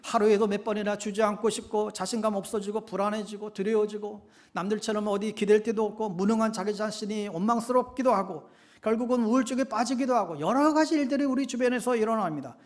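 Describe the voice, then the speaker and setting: A man's voice: sits high, fairly even intonation, fast talker. A male pastor preaching a sermon, often asking the congregation rhetorical questions.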